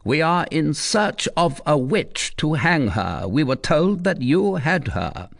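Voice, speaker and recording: A man's voice: on the high side, big pitch swings, slow, creaky, no echo, clean studio sound, voice pushed up, full character voice. A man voicing a harsh, threatening provost commander who interrogates an old woman. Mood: menacing. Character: harsh middle-aged male provost commander, menacing.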